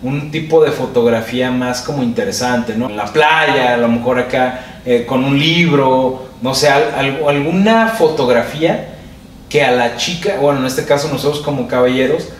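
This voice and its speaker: A man's voice: mid-range voice, moderate pace. A young man with a Mexican accent, co-hosting a casual, joking chat full of slang and fillers. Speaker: co-host. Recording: roomy, distant mic, faint noise.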